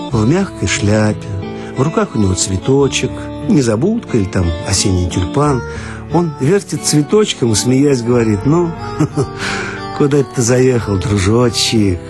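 Ironic male storyteller over guitar music. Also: mid-range voice. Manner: ironic, mock-earnest storytelling. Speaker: storyteller reading humorous stories. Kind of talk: first-person comic narration for radio. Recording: archival radio recording with guitar music.

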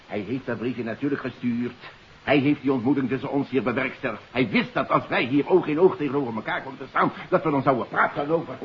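An actor playing a cornered, menacing criminal doctor in a 1950s radio play, with a theatrical, exclamatory delivery. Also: male voice, medium pitch, quick pace, natural voice. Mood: startled, suspicious. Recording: muffled, noisy 1959 radio recording.

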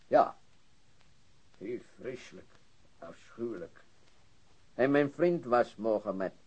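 Slow, halting immigrant. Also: male voice, mid-range voice, lively intonation, a little mellow, slightly rough, highs cut off. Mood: subdued, halting. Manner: halting, broken foreigner's phrasing. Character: timid foreign Turkish man, ill, halting speech. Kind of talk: radio drama acting.

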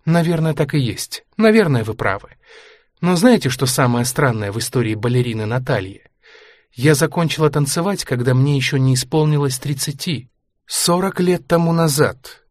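A proud, anxious aging former ballerina with a sharp tongue, as a male audiobook reader puts her on. Her voice sits higher than the narration and sounds tense and emphatic. The recording is dry and close, with no room sound. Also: expressive, moderate pace, no room sound, close to an everyday voice. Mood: wistful. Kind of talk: audiobook character reading.

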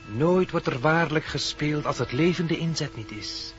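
In a radio play with music underneath, a man gives voice to a wise, solemn male deer, an oracle of old dreams, speaking in cryptic, poetic incantations. His fairly high voice is animated, close to everyday speech, and at normal speed, with a solemn, foreboding mood. The vintage radio recording sounds dull.

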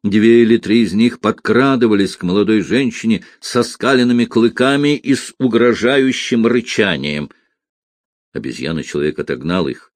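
A man narrating an adventure novel as an audiobook, dramatic and dropping to a hush at tense moments. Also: lowish voice, moderate pace, no room sound, studio quality.

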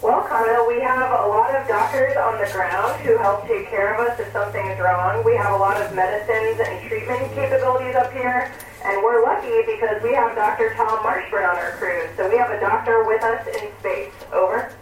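A woman's voice: a little high, fairly even intonation, moderate pace. A woman astronaut patiently answering children's questions over a ham radio link with static bursts. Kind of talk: plain explaining for children. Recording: distant echoey radio with noise.

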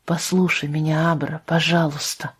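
A woman reading an audiobook, voicing a calm, patient young man who speaks low, restrained and soft. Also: moderate pace, breathy edge.

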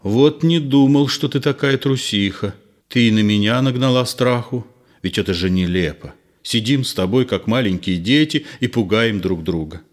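A man voicing a gentle, nervous middle-aged man in a read-aloud play, low and soft. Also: normal speed, lightly acted. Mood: soothing.

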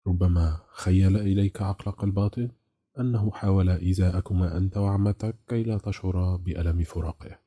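A man voicing a gentle, sympathetic female radio co-host in an audiobook, speaking softly in his own low, husky voice. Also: steady tone, a little fast. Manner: soft, sympathetic.

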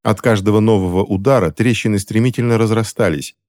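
Low-voiced male audiobook narrator. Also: brisk, a little mellow.

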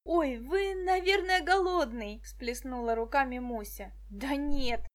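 An excitable, dreamy teenage girl who fusses and talks in an eager, breathless rush, as a woman reader puts her on. Her voice sits very high, a storybook girl lifted above the reader's own tone. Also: measured pace. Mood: excited.

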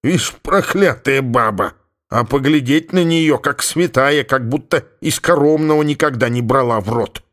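A man reading an audiobook who voices a gruff, suspicious middle-aged Cossack father, grumbling and exclaiming as he talks to himself. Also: mid-range voice, a little slow, fairly bright tone, lightly acted. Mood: indignant.

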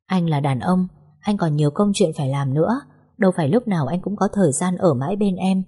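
A woman voicing a caring, troubled young husband, talking softly and reassuringly. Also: on the low side, fairly quick, slightly rough. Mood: tender. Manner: soft, reassuring, hesitant.

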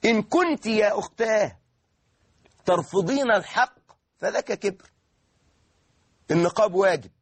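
A man preaching a sermon in an Egyptian Arabic accent, impassioned, now soft, now shouting. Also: high-pitched, expressive, moderate pace, pauses often, slightly rough, no room sound.

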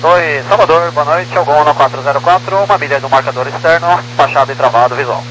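A man's voice: a little high, quick pace, a bit bright. A man speaking as a pilot in clipped air traffic readbacks over a crackly, military-style radio. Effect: crackly aviation radio, like military radio. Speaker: airline pilot. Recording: noisy, humming radio transmission.

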